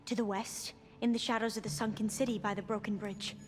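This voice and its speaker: A woman's voice: medium pitch, steady tone, fairly quick, noisy background, lightly acted. A woman playing an earnest, reverent young tribal scholar in a video game, with formal and hesitant phrasing. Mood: earnest, guarded. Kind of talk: dramatic video game acting. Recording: loud game music behind.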